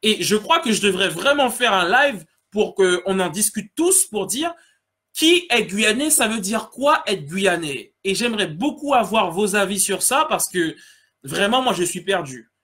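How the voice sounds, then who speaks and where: A man's voice: high-pitched, expressive, a little slow, pushed and bright, husky. A man hosting a casual solo podcast, reading out listener comments and talking earnestly and directly to his audience. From French Guiana. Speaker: podcast host.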